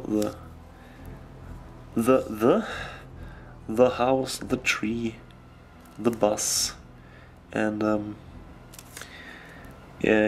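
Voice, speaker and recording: A young man with a German accent, a native German speaker, talking casually and hesitantly while he paints miniatures at his desk, often pausing to search for words. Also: fairly low pitch, creaky, slight background noise. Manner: slow, hesitant, searching for words with many ums.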